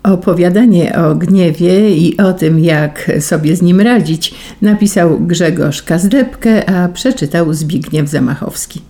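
A woman radio presenter calmly crediting the story and introducing a song. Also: on the low side, a little slow, hardly any pauses. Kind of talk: radio announcement.

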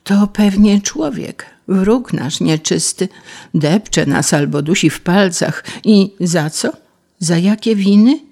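A woman's voice: medium pitch, a little mellow, pitched above the performer's own voice. Woman doing a prim, scornful ladybird. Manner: scornful and preachy. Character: prim moralizing female ladybird, cold-hearted.

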